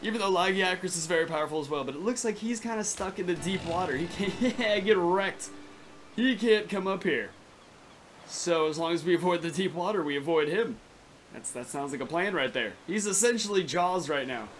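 A young man from California with a raspy, sore throat, giving excitable, foul-mouthed gameplay commentary. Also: high-pitched, a little fast, slight background noise. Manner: excitable, swears freely. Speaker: gaming YouTuber.

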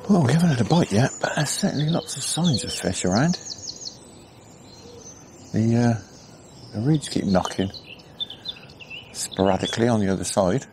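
A man's voice: medium pitch, expressive, normal speed, pauses often, background noise. A middle-aged man from England chatting casually while fishing outdoors on a canal bank at dawn, thinking aloud with easy fillers. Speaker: angling vlogger. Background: birdsong and insects.

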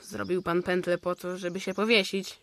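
A man's voice: high-pitched, flat delivery, normal speed, fairly bright tone, no echo. An actor playing a blunt, curious eleven-year-old boy in a radio drama. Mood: curious, matter-of-fact.

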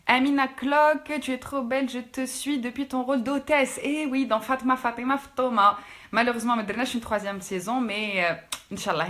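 Brief: young Algerian woman, fast chatty live-stream talk, slightly high voice. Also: fairly bright tone. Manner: quick, chatty, mixing French with Algerian Arabic. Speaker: actress answering fans in a live stream. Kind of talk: casual live-stream chat reading out comments.

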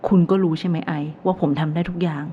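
A woman's voice: lowish voice, flat delivery, fast talker, natural voice. A woman reading an audiobook voices a possessive young man who insists his lover belongs to him. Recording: slightly dull recording, faint hiss.

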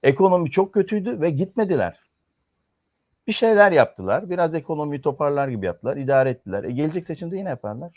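A man talking economics and politics in a casual chat, arguing firmly and pausing on fillers as he reasons. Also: on the high side, sing-song, darkish tone, dry recording. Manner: argumentative, lectures in firm repeated clauses. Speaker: economics commentator.

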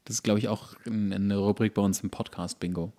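A man's voice: on the low side, fairly even intonation, a little fast, dark tone. A man co-hosting a podcast in casual comedic chat, with a dry, wry way of joking. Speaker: podcast co-host.

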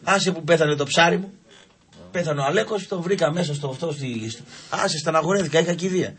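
A man telling comic anecdotes on a radio show, acting out voices in his stories. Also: fairly high pitch. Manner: animated, acts out voices in anecdotes. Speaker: radio show guest storyteller. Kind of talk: casual comic storytelling. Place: radio studio.

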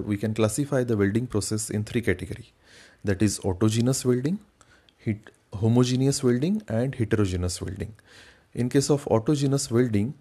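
A man's voice: on the low side, mellow. A man giving a methodical slide lecture, reading each point and then restating it in his own words. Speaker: engineering lecturer.

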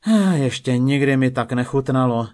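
Gentle, kindly old Lord God in a storybook legend, read by a man in his plain voice, calm delivery, middle pitch. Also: lightly acted.

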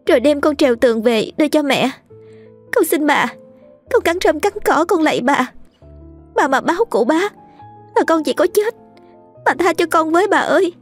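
A woman's voice: sits high, lively intonation, moderate pace, long pauses, soft background music, voice pushed up. Woman voicing a terrified little servant girl. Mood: pleading. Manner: tearful, begging, stammering.

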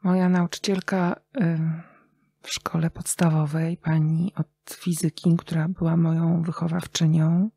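A middle-aged woman talking casually and reflectively as a podcast guest, telling stories expressively with thoughtful pauses. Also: on the low side, little pitch movement, gravelly, dark tone, husky, dry recording. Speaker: interview guest, radio journalist and writer.

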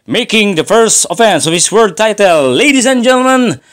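A man's voice: sits high, very animated, moderate pace, a bit bright. A man announcing like a boxing ring announcer, formal and theatrical, stretching out names as he introduces fighters.

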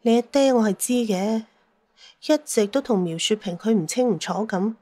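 A woman's voice: on the high side, normal speed, mellow, lightly acted. A woman playing a shrewd, jealous, sentimental middle-aged mother in an audio drama, with plaintive, theatrical sighs. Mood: calculating, wistful. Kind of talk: Cantonese audio drama acting.

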